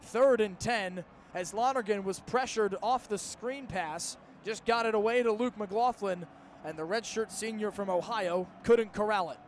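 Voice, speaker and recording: A man's voice: sits high, unhurried, a little hiss or hum. A man in his early twenties calling live American football play-by-play in the style of a radio broadcast. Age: early 20s. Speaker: play-by-play sports announcer. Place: outdoor stadium broadcast position.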